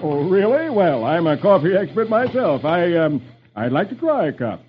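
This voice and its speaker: A man's voice: high voice, sing-song, normal speed, pitched above the performer's own voice. A man doing a pompous army colonel. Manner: pompous, self-important. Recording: dull old radio recording.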